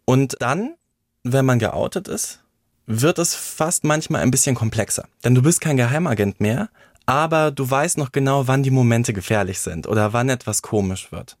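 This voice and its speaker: A man's voice: mid-range voice, moderate pace, dry recording, clean studio sound. A man, an actor, talking candidly in a personal conversation and reflecting on his experiences, often acting out what others said. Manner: reflective, tells stories with acted-out quotes.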